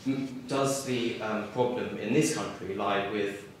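A young male university student asking a panel a question, hesitant and earnest with many pauses. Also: on the low side. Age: young adult. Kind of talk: audience question at a debate. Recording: echoey hall, distant mic, faint noise.

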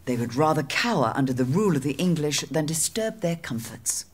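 A shrewd, disdainful queen of medieval times. Her voice sits low for a woman and is husky. She delivers the audio drama lines with wry, regal poise. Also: expressive, a little fast.

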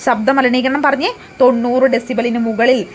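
A woman's voice: a little high, fairly even intonation, normal speed, a little hiss or hum. A woman teaching an exam prep lesson. She asks questions and answers them herself, repeats key facts and often hesitates and restarts.

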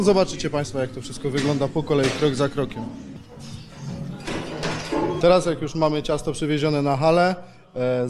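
Male baker, thirties, slightly high voice, plain informal explainer, faint music underneath. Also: a little mellow. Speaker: pastry baker. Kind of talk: informal step-by-step process explanation. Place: tiled bakery production hall. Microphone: handheld microphone held by interviewer.

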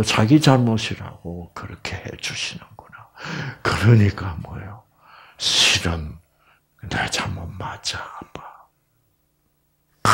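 A middle-aged man giving a Bible lecture, asking his audience rhetorical questions and dropping into soft whispers. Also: on the low side, vocal fry, slightly rough.

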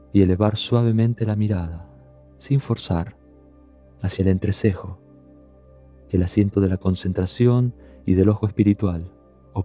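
A man leading a guided meditation, giving calm, soothing, unhurried instructions. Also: on the low side.

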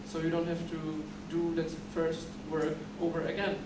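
Man lecturing in an echoey hall. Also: on the high side. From Czech Republic. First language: Czech. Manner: halting, repeats words and restarts, steady explaining. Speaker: conference speaker. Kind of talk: conference presentation. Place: dim lecture hall, at a podium. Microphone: podium mic, recorded from a far camera. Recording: echoey hall recorded from far off, noisy.

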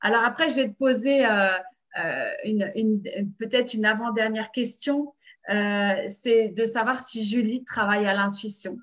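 A woman's voice: a little high, a little slow. A woman from France hosting a casual interview. She speaks hesitantly, with many fillers. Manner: hesitant, full of fillers, warm laughs. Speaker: interview host.

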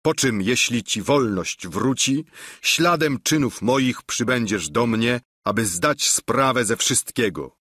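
A man's voice: mid-range voice, lively intonation, unhurried, a bit bright, dry recording, studio quality. A man playing a grandly solemn old knight. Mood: commanding. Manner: declamatory, commanding.

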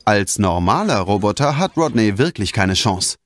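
A man's voice: lowish voice, very animated, normal speed, no room sound. A man narrating a children's story in standard German with dramatic storytelling delivery. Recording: music behind the voice.

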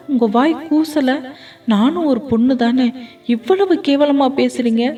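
A woman storyteller voicing a frightened young woman who pleads in tears, in a high, shrill voice. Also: dark tone, natural voice. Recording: dull distant lo-fi recording.

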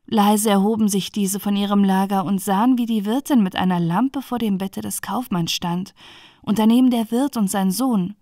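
A woman reading a dark bedtime fairy tale aloud in a calm, even narrating voice. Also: mid-range voice, moderate pace, dry recording, studio quality. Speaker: storyteller.

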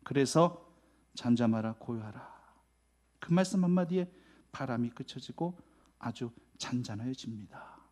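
A male pastor preaching a sermon in a lively way, acting out scenes and turning to the congregation with questions. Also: mid-range voice, normal speed. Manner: lively, dramatizing scenes with acted-out quotes and asides to the congregation.

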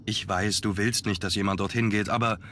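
A man's voice: fairly low pitch, fairly even intonation, a little fast, a bit bright, slight background noise, lightly acted. A man voicing an earnest young nobleman. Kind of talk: game dub.

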